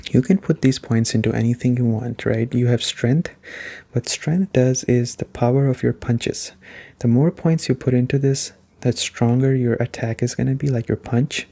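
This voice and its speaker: A man giving a casual, soft-spoken ASMR video game review in a conversational way. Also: mid-range voice, fairly even intonation, normal speed, vocal fry.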